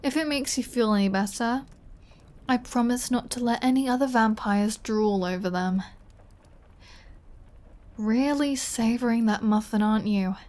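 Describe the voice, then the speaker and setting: A woman's voice: on the high side, darkish tone, natural voice. Casting: a woman to play a seductive, possessive vampire lady for ASMR audio drama; leisurely delivery, teasing menace. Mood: playful, flirty. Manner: slow, teasing, playfully threatening.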